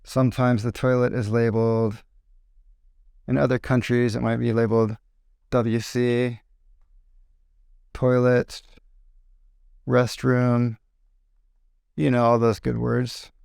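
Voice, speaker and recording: A man, an English teacher and podcast host, giving a casual spoken lesson, explaining slowly with examples. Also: mid-range voice, flat delivery, vocal fry, a little mellow, clean tone, no room sound, studio quality. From California.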